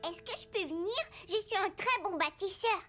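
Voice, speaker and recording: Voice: very high-pitched, moderate pace, fairly bright tone, soft background music. An actor voicing a curious, eager four-year-old boy in a French children's cartoon.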